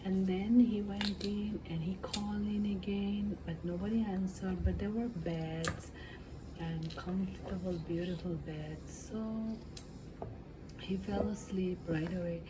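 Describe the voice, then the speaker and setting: A woman telling a fairy tale as an ASMR storyteller, in simple, halting, improvised phrases. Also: mid-range voice, fairly even intonation. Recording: clearly noisy background.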